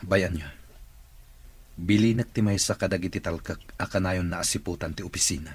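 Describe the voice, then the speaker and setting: Deep, husky, stern Ilocano boss played by a man. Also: fairly quick. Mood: resolute. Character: stern, decisive wealthy male boss.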